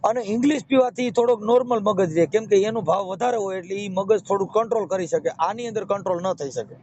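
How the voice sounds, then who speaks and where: A man's voice: high voice, fast talker, darkish tone. A man with a Saurashtra Gujarati accent giving advice on a phone call, explaining step by step and repeating himself. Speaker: phone counselor and marriage mediator. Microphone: telephone. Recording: muffled, noisy phone call recording.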